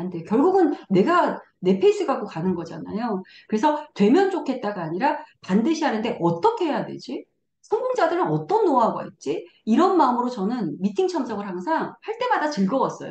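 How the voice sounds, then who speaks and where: Very wide pitch swings run through a woman's high-pitched speech. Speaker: network marketing business leader. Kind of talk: motivational seminar talk. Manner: fast.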